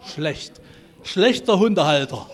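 A pastor giving a children's sermon and then a sermon, speaking lively and asking the congregation questions, holding a microphone in a church. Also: male voice, fairly high pitch, slow pace. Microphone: handheld microphone.

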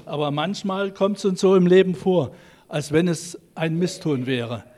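A pastor giving a children's sermon and then a sermon, speaking lively and asking the congregation questions, holding a microphone in a church. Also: male voice, fairly high pitch, measured pace. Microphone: handheld microphone.

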